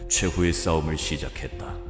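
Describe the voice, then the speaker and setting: A man acting in an audio drama with a solemn, formal and measured delivery. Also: rumbling low. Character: grave narrator of humanity's end, formal official. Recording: long echoing reverb, music behind.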